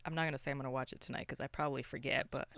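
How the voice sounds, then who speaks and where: A podcast co-host from Canada with a clear, smooth voice, recorded close and dry. The talk is casual and slangy, with opinions given freely. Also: mid-range voice, fairly even intonation, very fast, fairly bright tone, no echo. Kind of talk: casual chat about movies.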